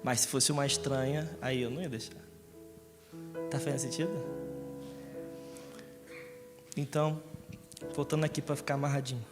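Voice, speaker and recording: A man's voice: mid-range voice, steady tone, brisk. A man from Rio, preaching a live Sunday sermon, joking and asking his congregation questions. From Rio de Janeiro, Brazil. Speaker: pastor. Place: church service in a large hall. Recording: echoey church hall with music.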